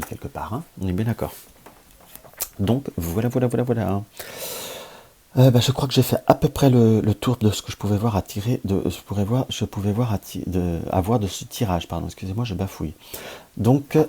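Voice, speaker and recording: A man's voice: sits low, dark tone, slight background noise. A man with a French accent giving a daily card reading to camera, talking hesitantly with many restarts and fillers. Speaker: tarot reader.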